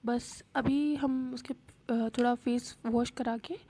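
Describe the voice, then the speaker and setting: A woman narrator doing a nervous young student who rushes through her excuses. The voice is husky and dark, fairly high. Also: fairly even intonation. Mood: flustered. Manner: hurried, nervous explaining.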